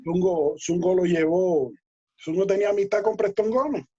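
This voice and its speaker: A man, a guest telling lively baseball anecdotes in a casual interview, laughing and acting out quoted dialogue. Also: high voice, normal speed, husky. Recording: dull lo-fi audio.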